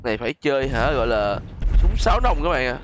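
A man's voice: medium pitch, expressive, fast talker, over music. A man with a southern Vietnamese accent hosts a gaming video, giving casual gameplay commentary to his viewers.

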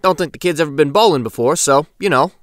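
An actor playing a haunted, restless young man who recounts events in a halting, slangy way for an audio drama. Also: fairly high pitch, no echo, studio quality, natural voice. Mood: subdued, recounting. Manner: colloquial, halting, informal.

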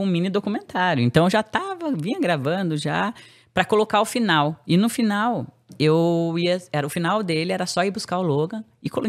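A woman guest on a podcast, telling a personal story in casual, slangy speech and acting out the quoted lines with big jumps in pitch. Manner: animated, acts out quoted dialogue with sharp pitch jumps; casual slangy speech, many fillers and restarts.

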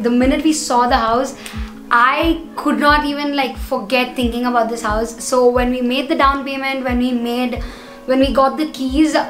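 A woman's voice: high-pitched, roomy sound. A young woman vlogger giving a casual, enthusiastic tour of her living room to camera. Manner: enthusiastic, gesturing widely while walking around. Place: echoey indoor living room. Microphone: camera-mounted shotgun mic.

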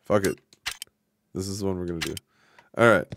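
A man's voice: low voice, a little fast, gravelly, background noise. A man in his thirties from Washington State who hosts a live gaming stream, chatting loosely with viewers, rambling and swearing freely. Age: 30s. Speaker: streamer, host. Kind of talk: casual live-stream chat while gaming.

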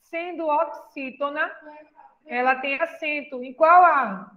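Female teacher, Brazilian Portuguese accent, high-pitched, unhurried, patient questioning tone, dull lo-fi recording. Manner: patient, questioning, slow and explaining. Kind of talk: classroom lesson.

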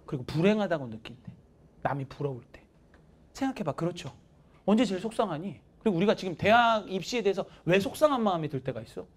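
Lively woman teacher giving a pep talk. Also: lowish voice, fast. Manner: lively, acts out quoted voices, talks down-to-earth to students. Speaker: math teacher. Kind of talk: motivational talk to students.

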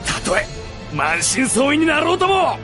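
A rough-spoken warrior with a high-pitched, swinging delivery, faint music behind. He is defiant and urgent, in fantasy radio drama style. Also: sing-song, a little slow, exaggerated voice. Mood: strained defiance. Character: gruff defiant male warrior in fantasy battle.

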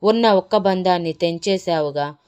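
A woman's voice: fairly low pitch, normal speed, a little mellow, smooth, close to an everyday voice. A woman narrator voicing a wronged young wife who speaks through tears with defiant anger. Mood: anguished. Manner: tearful, pleading anger.

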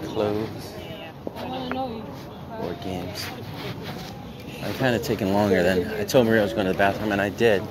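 A man's voice: on the low side, fairly even intonation, normal speed, pauses often. A man vlogging casually, joking and narrating as he browses sales outdoors and drives, filming on a phone. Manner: chatty, joking, self-narrating. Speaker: reseller vlogger. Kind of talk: casual chat. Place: outdoors at a flea market and in a car. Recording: noisy outdoor phone recording.

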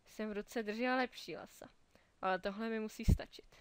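A woman reading a storybook, voicing a lonely but plucky young cowgirl doll who speaks quietly and keeps herself steady. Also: medium pitch, clear, resonant tone, no room sound, natural voice. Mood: determined. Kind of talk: storybook character voice.

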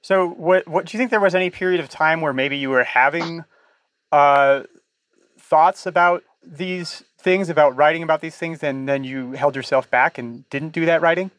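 A man hosting a podcast, asking casual interview questions in a halting, thinking-aloud way. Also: on the high side, a bit bright, no room sound.

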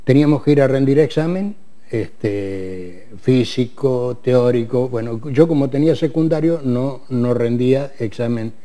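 A man's voice: medium pitch, measured pace, mellow. Hesitant Argentine man in his eighties. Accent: Argentine Spanish. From Córdoba, Argentina. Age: 80s. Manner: hesitant, many fillers and restarts. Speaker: interview guest, retired military man. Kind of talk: casual interview. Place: TV studio. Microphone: lapel.

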